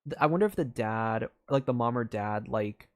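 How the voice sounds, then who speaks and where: A man's voice: mid-range voice, animated, moderate pace. A man streaming a story game, thinking aloud in a rambling way, with many fillers and restarts. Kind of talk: casual live game commentary.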